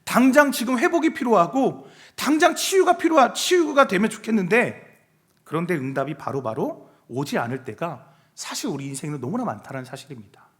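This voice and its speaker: A man's voice: sits high, big pitch swings, a little fast, fairly bright tone. A male junior pastor preaching a sermon, emphatic and often putting questions to the congregation.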